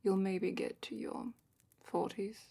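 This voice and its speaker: Female performer as dragon expert, ASMR roleplay. Hushed and matter-of-fact, breathy half-whisper with creaky edges, explanatory. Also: mid-range voice, fairly even intonation, slow pace, heavily acted. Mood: calm, instructive. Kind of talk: soft-spoken fantasy ASMR roleplay, partly whispered.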